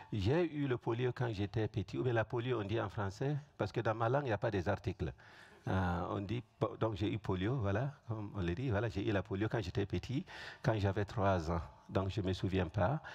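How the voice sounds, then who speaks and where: With a West African accent, a man speaks in a somewhat breathy voice at a very even loudness, over a quiet background. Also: fairly low pitch for a man, ordinary pitch variation, moderate pace. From Burkina Faso. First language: Fulfulde (speaking French). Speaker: missionary preacher. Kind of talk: testimony.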